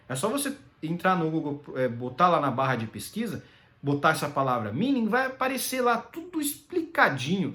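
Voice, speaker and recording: A Brazilian man talks through his points in a loose, rambling way and keeps checking in with tag questions. His voice sits a little high for a man, and his pitch rises and falls a lot. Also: fairly bright tone. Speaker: commentator. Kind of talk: casual solo commentary.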